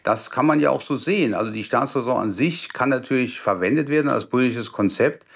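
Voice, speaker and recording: A man, a law professor, answering interview questions in a deliberate, explanatory way with some hesitations. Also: medium pitch, vocal fry, breathy edge.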